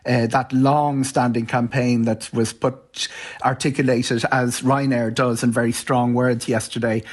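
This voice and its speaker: A man's voice: medium pitch, flat delivery, a little slow. A man with an Irish accent giving an explanatory live radio news interview as a travel commentator, informal and somewhat stop-start.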